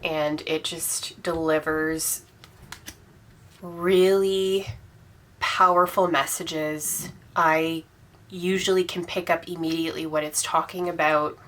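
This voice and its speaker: Brief: woman host in her 30s, congested from a cold, low and bright voice, chatty, lots of ums. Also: fairly even intonation, takes it slowly. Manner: chatty and enthusiastic, with frequent ums. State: congested from a cold, slightly sore throat. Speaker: tarot channel host. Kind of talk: casual monthly wrap-up vlog.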